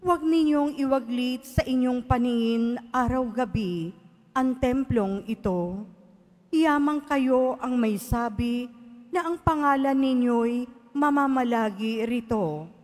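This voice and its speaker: Woman lector reading scripture, slow and careful, echoing church. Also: fairly high pitch, a little mellow. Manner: slow, measured, solemn reading. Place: large church. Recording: long church reverb.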